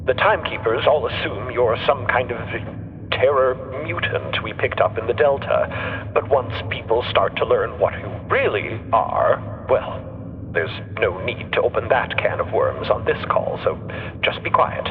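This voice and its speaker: A man's voice: medium pitch, unhurried, narrow, tinny audio, a little hiss or hum, natural voice. Man playing a guarded professor in reverberant space. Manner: formal, clipped, evasive. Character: male professor explorer with a mind in a machine body, guarded, curt. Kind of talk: audio fiction podcast acting.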